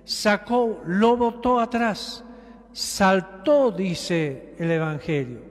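A bishop with a notably high voice delivers an emphatic sermon, taking his time and leaning on repeated phrases. His words ring out with a long echo through a large church. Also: expressive. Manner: slow, emphatic preaching with repetitions.

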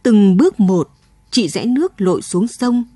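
Mellow, husky woman reading a radio story. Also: medium pitch, animated, no room sound. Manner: slow, sorrowful storytelling. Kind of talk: scripted narration of a late-night radio story. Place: radio studio.

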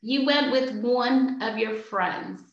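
A woman, an astrology life coach, hosting a video call interview from home, talking slowly with many ums and restarts. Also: fairly high pitch, big pitch swings. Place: room at home, indoors. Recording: echoey, slightly dull video call audio.

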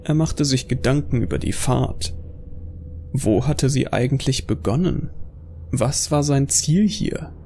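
Gravelly male narrator. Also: medium pitch, a little slow, mellow, a little hiss or hum. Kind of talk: scripted audio drama narration.

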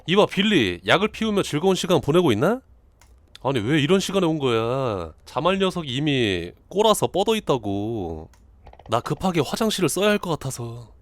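A shady, easygoing male buddy from a horror game, as a streamer reads him out. He sounds casual and a bit pleading, with a slightly high and lively voice. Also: normal speed, dry recording.

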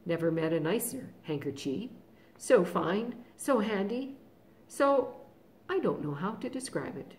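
A woman's voice: mid-range voice, expressive, measured pace, natural voice. A woman voicing a huge, polite, clumsy male giant with rustic, countrified speech. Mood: apologetic.

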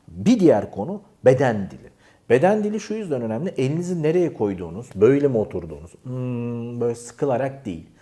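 A man talks straight to camera in an animated, teasing way, handing out self-improvement advice. His pitch swings widely as he acts out little examples. His tone is mellow and dark.

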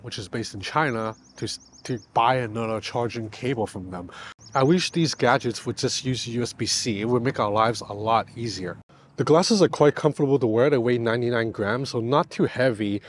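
A man in his thirties, first language Cantonese, talks through a gadget review in a relaxed, explanatory way. He is recorded outdoors in a park on a clip-on lapel mic, with a mid-range voice. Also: medium pitch. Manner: conversational, explanatory, self-deprecating. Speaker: tech reviewer.

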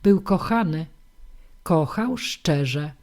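A woman with a fairly low voice reads classic verse aloud at a slow, unhurried pace. Her delivery stays measured and even from line to line. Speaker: audiobook reader. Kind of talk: reading a verse comedy aloud.

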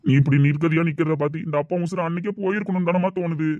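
A man's voice: on the high side, fairly even intonation, fast talker, no room sound, natural voice. A man playing an older father weighed down by guilt over his daughter, talking in an earnest, heavy-hearted way. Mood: consoling. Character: grieving aging father, guilt-ridden and tender. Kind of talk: amateur family drama acting. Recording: dull lo-fi sound.

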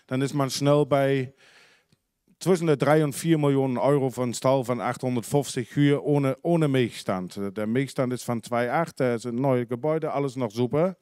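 A man in his forties from the Netherlands, a dairy farmer speaking German with a Dutch accent, giving a halting talk full of fillers and self-corrections into a handheld mic in a conference hall. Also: medium pitch, a little mellow, clean tone, clean studio sound. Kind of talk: unscripted talk at a symposium. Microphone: handheld microphone.

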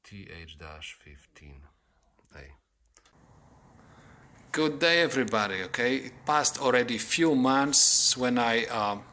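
A man who is not a native English speaker, giving an unscripted hands-on repair explanation in a halting, repetitive way, often saying okay. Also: medium pitch, lively intonation, bright, forceful tone. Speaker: repair tutorial host. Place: indoors at home.

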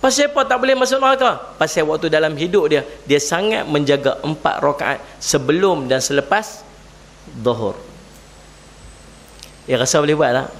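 A man's voice: fairly high pitch, animated, normal speed, fairly bright tone. A male Islamic preacher with a Northern Malaysian Malay accent gives a humorous sermon, laughing often and putting questions to his audience. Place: religious lecture gathering.

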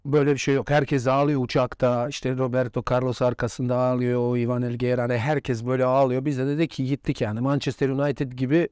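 A man's voice: mid-range voice, flat delivery, quick pace, few pauses, a little mellow, clean tone, no echo, studio quality. A former footballer in his forties, a man, telling stories in a casual interview and laughing often. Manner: chatty anecdotes with frequent laughs.

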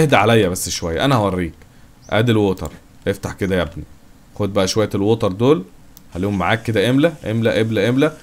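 A man with an Egyptian accent giving let's-play commentary, joking and excitable, talking to his viewers and to the game's characters. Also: mid-range voice. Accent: Egyptian Arabic. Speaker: gaming channel host.

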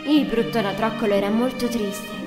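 A woman's voice: a little high, fairly even intonation, fairly quick, roomy sound, long reverb tail, over music. A woman narrating a children's fairy tale in a scripted storybook style.

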